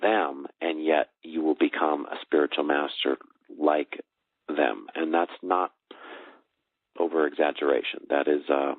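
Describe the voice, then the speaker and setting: A man with an extremely low voice speaks as a spiritual coach, earnest and explanatory. He goes in short, measured phrases. The audio is dry and heavily band-limited, like a phone. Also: steady tone, dry recording. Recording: muffled phone-like call audio.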